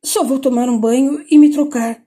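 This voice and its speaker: A frightened, ashamed young woman pleads in a tearful voice with a Brazilian Portuguese accent, as a woman narrating a storybook voices her. The tone is mellow and fairly high. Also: steady tone, moderate pace, lightly acted. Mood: pleading.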